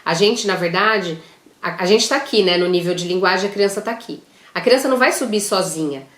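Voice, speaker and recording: A woman's voice: medium pitch, fairly quick, fairly bright tone. Brazilian mother chatting in a roomy room. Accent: Brazilian Portuguese. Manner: chatty, explains step by step, checks in with "né?". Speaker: mother sharing parenting tips. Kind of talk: casual explanatory vlog. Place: room at home.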